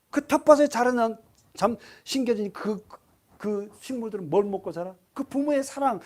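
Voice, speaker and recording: A male pastor preaching a sermon to his congregation, asking them questions and acting out voices. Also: extremely high pitch. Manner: lively, asks the congregation questions, acts out voices.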